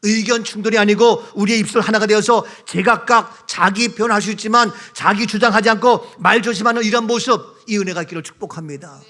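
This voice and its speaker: Male pastor, sermon, high bright voice, emphatic, repeats phrases, questions the congregation. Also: fairly even intonation, a little fast, hardly any pauses. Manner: acts out everyday quarrels in short quoted remarks.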